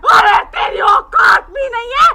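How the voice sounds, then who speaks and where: An actress playing a possessed girl whose spirit taunts and threatens a holy man, shouting and cackling. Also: very high voice, takes it slowly, a crowd in the background, full character voice. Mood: taunting. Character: possessed girl, spirit Anarkali, defiant and fierce.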